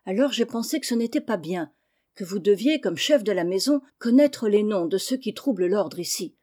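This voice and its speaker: A woman reading the part of a bold schoolboy, polite and firm, who keeps calm under pressure. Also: medium pitch, normal speed, close to an everyday voice.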